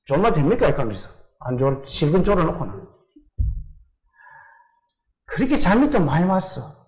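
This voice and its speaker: A man's voice: on the high side, wildly swooping pitch, normal speed, darkish tone, highs cut off. An older man from South Korea, preaching a sermon in church and putting questions to his congregation. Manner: asks the congregation questions and answers them himself. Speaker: pastor.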